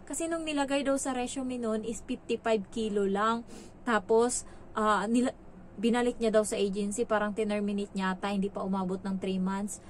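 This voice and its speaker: A Filipina domestic worker living abroad tells her channel a story in a chatty, gossipy vlog style packed with filler words. Her medium-pitched voice keeps a fairly even intonation at a normal speed, with slight background noise.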